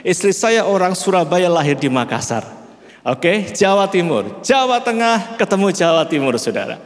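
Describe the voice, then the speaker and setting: In an echoing church hall, a middle-aged pastor with a Central Javanese accent from Indonesia gives a sermon slowly and deliberately, speaking straight to his listeners and often calling them "brother". His voice sits high with big pitch swings.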